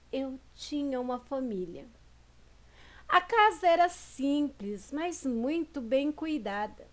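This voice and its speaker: A woman hosting a horror channel, narrating supernatural accounts in a dramatic, drawn-out storytelling manner. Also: high voice.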